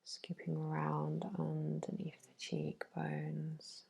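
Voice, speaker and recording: A woman whispers a bedtime ASMR massage in a soft, dark, breathy voice. She speaks very slowly and soothingly, keeping her delivery even and hushed as she guides each step. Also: low voice. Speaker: facial massage therapist.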